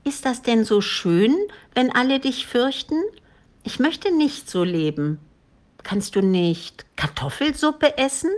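A brave, chatty little girl in a storybook, high and eager as she scolds, as a woman reads her. She speaks carefully and unhurried. Her voice lifts with cheeky confidence. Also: lively intonation.

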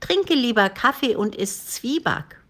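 A woman voicing a brave, chatty little girl who scolds a dragon in a high, eager voice, slow and careful in a storybook reading. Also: lively intonation, fairly bright tone.

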